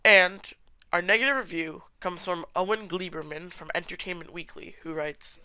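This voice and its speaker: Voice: medium pitch, moderate pace, pushed and bright, clear, resonant tone, dry recording, poor audio. A podcast host with a stuffy nose and sore throat, chatting casually and giving opinions in a solo film review. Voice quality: congested.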